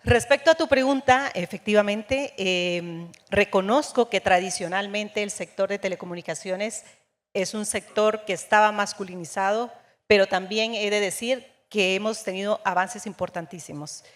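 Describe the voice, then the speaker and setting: A woman's voice: mid-range voice, moderate pace. Composed woman from Guatemala in a reverberant hall. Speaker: panelist, telecom executive. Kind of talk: panel answer. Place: conference stage.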